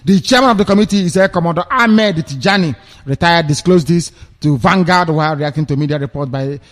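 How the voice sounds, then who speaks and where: On a radio broadcast, a man with a Nigerian accent and fairly high voice reads news items aloud, breaking off into scornful, mocking commentary packed with rhetorical questions. The sound suggests a large hall.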